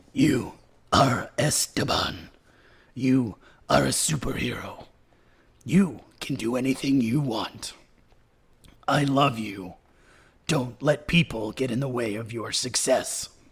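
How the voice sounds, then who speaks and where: A man's raspy, put-on character voice at medium pitch, fairly slow in pace, with long, frequent pauses. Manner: encouraging, self-affirming.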